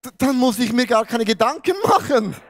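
Man preaching on stage, lively. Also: very high voice, fairly quick. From Switzerland. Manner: animated storytelling, swings between loud and hushed. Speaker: pastor. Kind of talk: sermon with acted-out story. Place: large church stage. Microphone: handheld mic.

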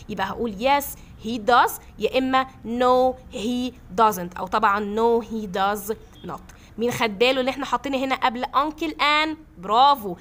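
A woman with an Egyptian accent teaching a classroom grammar lesson, patiently repeating examples slowly. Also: a little high, a bit bright, slight background noise. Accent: Egyptian Arabic.

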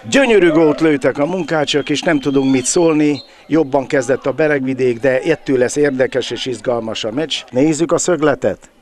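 A man giving live football commentary in an excited, exclamatory manner, with drawn-out cries and a gravelly voice. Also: mid-range voice. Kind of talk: live bilingual sports commentary.

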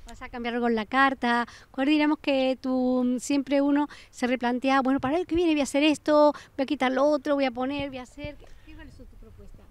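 A woman's voice: sits high, steady tone, a little fast, hardly any pauses, clean tone, dry recording. A middle-aged woman interviewing a chef outdoors with a handheld mic, chatty and full of fillers. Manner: chatty, many fillers and restarts. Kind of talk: casual interview. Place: outdoor garden of a restaurant. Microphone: handheld microphone.

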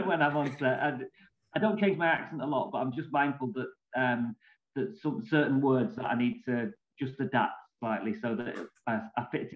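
A man in his thirties with a northern English accent, a soap actor chatting casually in an interview and laughing easily, speaking over a video call from a small room. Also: medium pitch. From England. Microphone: laptop video call. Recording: echoey, dull video call audio.

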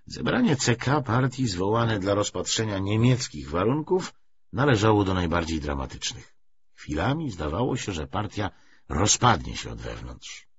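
A man reading a literary audiobook in an expressive, scripted narrating style. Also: fairly low pitch, moderate pace, muffled recording, a little hiss or hum.

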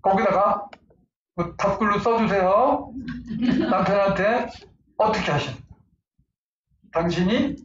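A middle-aged man teaches parents in a lively, talkative way, laughing often and acting out scenes between family members. His voice sits high for a man and comes from far off in an echoing room. The recording sounds dull and lo-fi, with faint background noise. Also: slow pace, pauses often. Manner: animated, laughing, acts out angry outbursts. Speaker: parenting lecturer. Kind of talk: lively lecture with role-play examples.

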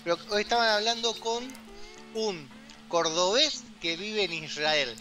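A man with an Argentine Rioplatense accent chats casually as a podcast co-host, drifting into asides. His voice sits a touch higher than most men's, and music plays clearly in the background. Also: measured pace. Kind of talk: casual chat.

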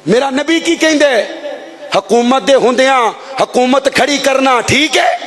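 A man in his thirties with a Punjabi accent, preaching an impassioned sermon into a close mic, often shouting and calling on the crowd to answer. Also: very high-pitched, measured pace. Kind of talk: fiery sermon. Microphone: stand mic close up.

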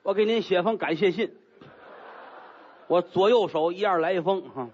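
A man's voice: high-pitched, big pitch swings, measured pace, husky, dull audio, exaggerated voice. A man voicing a nervous male opera actor who stammers and pleads, in a storytelling act. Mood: sheepish.

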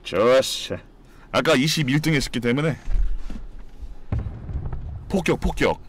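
A man streams live game commentary in a very animated, mid-pitched voice. He mutters short phrases over and over, then bursts into exclamations, chatting playfully with his viewers. Game ambience runs faintly behind him. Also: a little slow, slight background noise. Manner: casual, playful, talks to viewers.

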